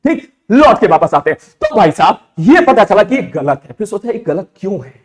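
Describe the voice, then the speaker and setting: A man's voice: sits high, big pitch swings, moderate pace. A male physics teacher giving a casual exam-prep lecture, asking and repeating his own questions. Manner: conversational, asks and repeats questions.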